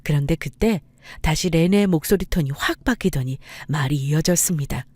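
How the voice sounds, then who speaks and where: A woman narrating a dramatic story in a calm, scripted reading style. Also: deep voice, normal speed, dry recording.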